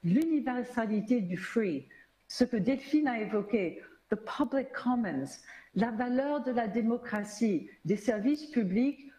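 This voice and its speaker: A woman's voice: on the high side, lively intonation, a little slow, dark tone, reverberant, rough recording. An American-born woman, a media analyst on a panel, talking emphatically with many restarts and words mixed in. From United States. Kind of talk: panel discussion. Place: auditorium stage.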